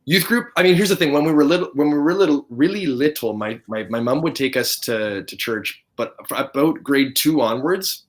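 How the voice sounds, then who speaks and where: Guest, man from Canada, mid-pitched voice, earnest, gropes for words. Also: normal speed, few pauses. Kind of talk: casual video chat.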